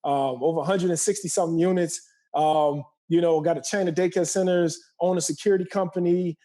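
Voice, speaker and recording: A man's voice: a little high, steady tone, a little fast, warm tone. A man in his forties giving a motivational talk as a podcast guest, emphatic and preacherly, repeating phrases for effect.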